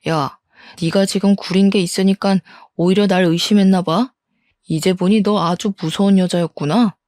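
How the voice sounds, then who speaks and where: A woman's voice: medium pitch, fairly even intonation, normal speed, darkish tone, dry recording, studio quality, lightly acted. A woman voicing a defensive, scornful cheating husband in a story reading. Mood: angry. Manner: defensive, scornful, blame-shifting. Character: angry cheating husband, middle-aged man. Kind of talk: storybook role-play.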